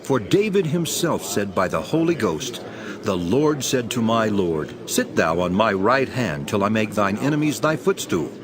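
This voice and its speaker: A man playing Jesus as a solemn, authoritative teacher with measured delivery in a dramatized scripture reading. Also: fairly low pitch, very animated, crowd noise. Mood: solemn, teaching. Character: Jesus, calm authoritative male teacher rebuking and instructing. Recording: voice over prominent background music.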